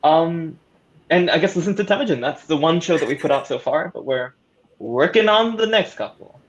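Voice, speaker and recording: A man's voice: on the high side, animated, moderate pace. A man speaking informally and somewhat hesitantly as a panelist, recorded over a dull online call. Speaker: panelist, audio drama producer. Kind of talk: casual panel discussion.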